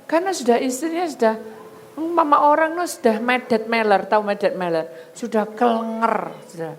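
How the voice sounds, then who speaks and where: A woman pastor, preaching a sermon as she tells a story and acts out its voices with big swings in pitch and loudness. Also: a little hiss or hum, rough recording.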